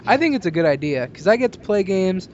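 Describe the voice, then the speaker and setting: A man's voice: sits high, sing-song, fast, a little mellow. A young man hosting a casual discussion of gaming news. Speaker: podcast host. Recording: muffled audio with faint background noise.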